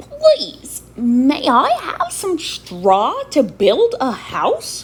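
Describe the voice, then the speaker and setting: A woman uses a put-on character voice with a high pitch, speaking at a very slow pace. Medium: read story.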